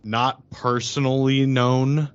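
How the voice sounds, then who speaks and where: A man playing an earnest, guarded vampire political insider, speaking haltingly and repeating phrases in an improvised role-play. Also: medium pitch, flat delivery, smooth, dull audio, pitched above the performer's own voice, lightly acted. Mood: uneasy, confiding.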